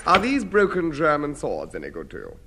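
An actor playing a smug, genteel householder who keeps selling junk in a 1950s radio comedy, with a wry, sly patter. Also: male voice, on the high side, wildly swooping pitch, a little fast, background noise. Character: smug, sly middle-class householder, man.

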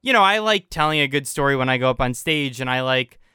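A man with a bright, crisp voice talks through his thoughts in a relaxed way, filling his sentences with "like." His voice sits a little high. He is recorded close and dry, with no room echo. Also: fast talker. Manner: reflective, filler-heavy "like". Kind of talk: casual conversation.

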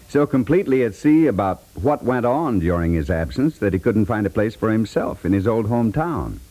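An American man reading a scripted 1950s network radio promo as an announcer, with polished, measured delivery. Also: on the low side, dark tone.

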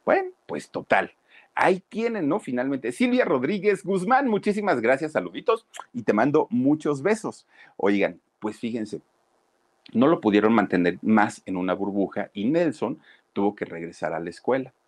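Animated Mexican man telling a story. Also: medium pitch, normal speed. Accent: Mexican Spanish. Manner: chatty, animated, addresses listeners directly. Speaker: storyteller host. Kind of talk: casual spoken storytelling.

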